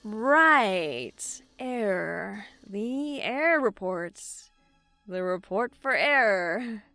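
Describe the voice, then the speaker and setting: A woman's voice: mid-range voice, expressive, extremely slow, bright, forceful tone, no room sound, soft background music, full character voice. A woman playing a dryly teasing young woman new in town, in a naturalistic audio drama. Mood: playful.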